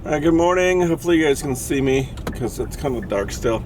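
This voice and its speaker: A first grade teacher in his forties vlogs casually to camera, rambling and chatty with lots of fillers, his slightly high, expressive voice sounding congested as he talks fast. Loud music plays behind him. He starts in a classroom and then moves into a car, where faint road noise comes through.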